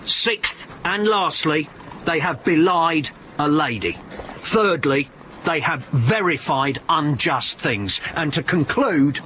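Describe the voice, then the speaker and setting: An actor playing a self-important, muddled constable in a stage comedy. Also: male voice, fairly high pitch, animated, sharp tone, slight background noise, heavily acted. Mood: pompous. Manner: slow, pompous, muddled speechifying. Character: pompous bumbling male constable, self-important.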